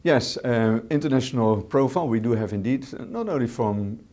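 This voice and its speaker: A man with a Dutch accent, a hotel manager answering interview questions in English as a second language, measured, with repeated words and fillers. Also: medium pitch, expressive, a little mellow. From Netherlands.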